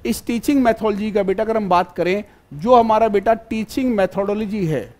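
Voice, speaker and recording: A man's voice: high voice, normal speed, darkish tone. A man teaching a live online exam-prep class, fatherly and repetitive, always checking whether his students follow. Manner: fatherly, keeps calling students "beta" and checking if they follow.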